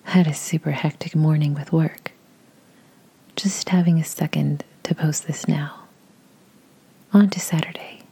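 Woman, raspy husky whisper, low and dark, casual reader. Intimate read. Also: fairly even intonation, a little slow, long pauses, low-quality recording. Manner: soft, breathy whisper. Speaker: audio creator reading posts. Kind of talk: casual whispered reading aloud.

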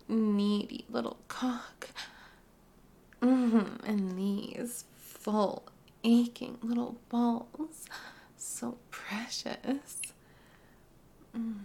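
A woman in a whispered adult ASMR roleplay, speaking close to the microphone in a breathy, coaxing hush broken by soft hums. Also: on the high side. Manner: slow, coaxing, intimate delivery.

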